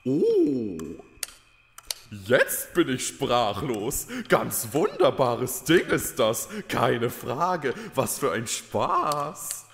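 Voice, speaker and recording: A man's voice: mid-range voice, wildly swooping pitch, drawn-out words, vocal fry, a bit bright, big-room sound, full character voice. A man playing a pompous, exacting master of little creatures in a children's audio drama, theatrical in manner. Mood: delighted. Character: pompous, exacting male master of the mouse-folk.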